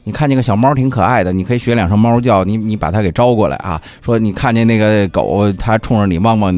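A man's voice: fairly low pitch, a little mellow. Folksy male radio host. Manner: conversational, hesitant restarts, folksy. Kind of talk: casual radio chat.

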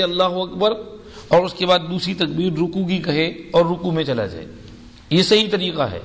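A man's voice: sits high, a bit bright. Man teaching a hadith lesson, reverberant hall. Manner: explanatory, slow and deliberate. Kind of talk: religious lesson.

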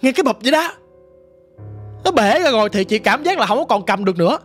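A woman's voice: a little high, animated, quick pace, husky, faint music behind. Woman telling a ghost story, Southern accent. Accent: Southern Vietnamese. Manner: vivid, dramatic, addresses listener directly. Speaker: storyteller guest.

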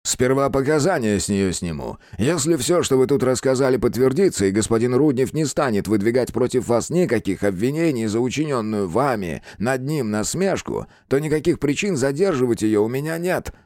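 A man voicing a stern, brisk male police official who speaks curtly and with authority. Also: medium pitch, lively intonation, a little mellow, no room sound, clean studio sound, pitched above the performer's own voice, lightly acted. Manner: curt, authoritative.

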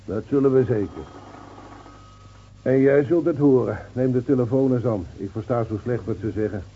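A man's voice: medium pitch, moderate pace, natural voice. An actor playing a bitter, sardonic village man in a Dutch radio drama, grumbling with weighty sarcasm. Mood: stubborn, dry. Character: bitter, sardonic village man at a rural Spanish police post. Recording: muffled, noisy old radio recording.

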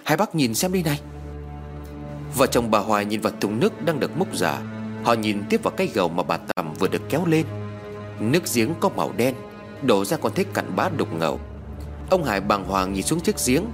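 A man reading a ghost story aloud in a dramatic, expressive way. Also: lowish voice, fairly quick. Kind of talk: scripted story narration. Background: faint music.

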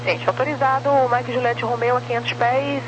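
A woman's voice: fairly high pitch, level tone, fairly quick, highs cut off. A Brazilian woman working as an air traffic controller, giving clipped procedural instructions over the radio.

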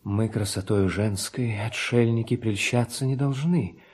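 An actor playing a gentle, pious monk who speaks courteous, measured verse in a classic radio drama. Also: male voice, lowish voice, breathy edge. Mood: pious, confiding.

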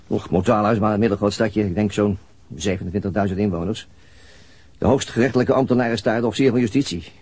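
Quick, husky police detective. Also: male voice, lowish voice, a little mellow, dry recording. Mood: matter-of-fact, dry. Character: weary, matter-of-fact male police detective from Stockholm. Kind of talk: naturalistic radio drama acting.

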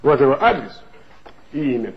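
An insinuating, lively-voiced police chief. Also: male voice, medium pitch, normal speed, slight background noise. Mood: smooth. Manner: smooth, insinuating, lecturing. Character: smooth, authoritative male police chief. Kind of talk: 1960s Soviet radio play acting. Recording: dull lo-fi old radio recording.

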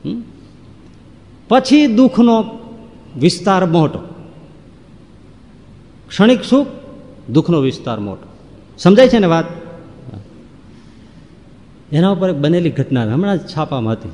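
A man's voice: sits high, sing-song, a little slow, pauses often, mellow. A man giving a devotional discourse in a folksy manner, listing examples in rhythmic runs that rise into exclamations. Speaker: preacher. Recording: long hall reverb.

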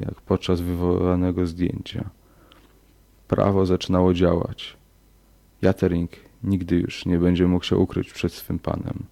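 A man narrating a horror story in a slow, measured audiobook reading. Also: low voice, gravelly, mellow.

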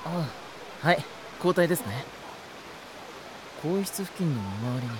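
A man's voice: on the high side, expressive, a little slow, background noise. An actor playing a serious, protective young man in an anime audio drama. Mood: businesslike. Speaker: lifeguard.

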